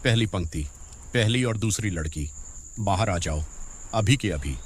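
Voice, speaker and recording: A man's voice: fairly low pitch, animated, measured pace, slight background noise. A man voicing a stern military drill instructor who scolds and barks orders at trainees, in a dubbed drama. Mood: scolding. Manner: barking commands, sarcastic. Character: stern male drill sergeant, harsh and scolding.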